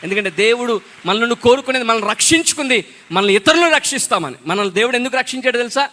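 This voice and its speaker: A man's voice: extremely high pitch, animated, racing, bright, forceful tone, big-room sound. A man giving a fervent testimony sermon to a youth rally and exhorting the crowd. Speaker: preacher.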